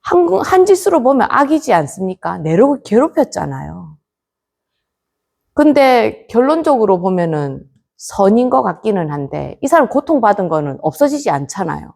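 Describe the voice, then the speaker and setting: Gravelly-voiced Buddhist nun lecturing. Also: female voice, mid-range voice, sing-song, normal speed, a little mellow. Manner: storytelling, posing questions to the class. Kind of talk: temple lecture. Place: temple lecture room.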